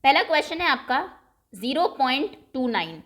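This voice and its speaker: A woman maths teacher explaining a lesson step by step, patient and clear, often checking in with the class. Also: high-pitched, very animated, normal speed, a bit bright.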